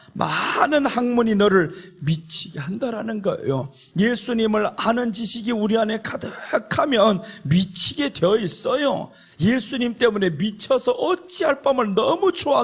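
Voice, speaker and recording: High-pitched man preaching emphatically. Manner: emphatic, repetitive, exhorting with rhetorical questions. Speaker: pastor preaching at a prayer retreat. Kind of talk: impassioned conversational sermon.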